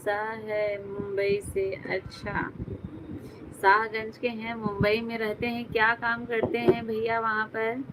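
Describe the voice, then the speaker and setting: A woman's voice: on the high side, completely flat delivery, slow, background noise. A woman from Uttar Pradesh hosting a live stream. She chats casually, greets viewers by name, answers their comments and laughs often. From Uttar Pradesh, India.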